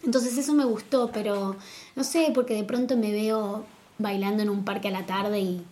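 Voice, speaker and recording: A woman talking casually as an interviewee, relaxed and chatty with frequent fillers. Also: medium pitch, moderate pace. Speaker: interviewee, dancer. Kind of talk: casual conversation.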